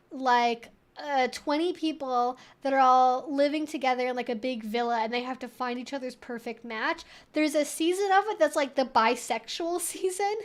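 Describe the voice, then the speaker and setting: A woman livestream host chatting casually, in a rambling, informal way peppered with "like". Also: high voice. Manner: rambling, informal, frequent "like" and swearing.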